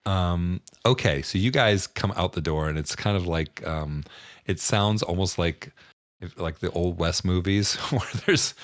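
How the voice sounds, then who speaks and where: A man running a tabletop game as game master, narrating casually in a halting, joking, improvised way. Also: low voice, no echo, studio quality.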